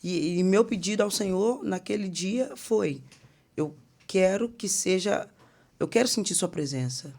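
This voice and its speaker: Woman telling a lively testimony. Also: medium pitch, a little slow, creaky. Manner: animated, acts out quoted dialogue. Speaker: guest singer. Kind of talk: podcast testimony, casual storytelling.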